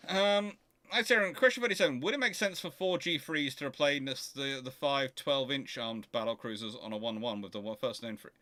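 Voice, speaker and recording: A man's voice: mid-range voice, fairly quick, dry recording. A man hosting a casual history question-and-answer stream, explaining things emphatically and often correcting himself mid-sentence. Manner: emphatic, animated argumentative explaining with self-corrections. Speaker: host of a naval history question show. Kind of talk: casual livestream Q&A with rambling explanation.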